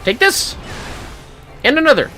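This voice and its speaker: A man's voice: very high-pitched, very animated, a little slow, bright, forceful tone, faint music behind. A man giving casual, sweary and reactive commentary while livestreaming a video game.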